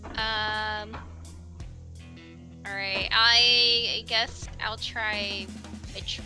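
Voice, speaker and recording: A woman player with a sharp, very bright voice sounds unsure and apologetic, asking questions about the rules. Faint music plays in the background. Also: mid-range voice, little pitch movement, very slow. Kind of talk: casual tabletop play.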